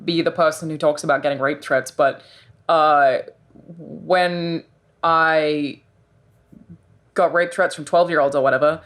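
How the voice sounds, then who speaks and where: Deep-voiced woman, blunt and frank. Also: fairly even intonation, measured pace, long pauses, fairly bright tone. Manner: blunt and frank, with casual swearing. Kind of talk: casual panel discussion.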